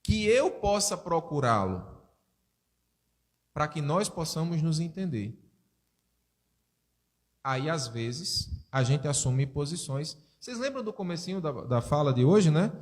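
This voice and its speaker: A man's voice: a little high, lively intonation, unhurried, pauses often. A man giving a spiritist sermon, telling stories and asking his audience rhetorical questions. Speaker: spiritist lecturer.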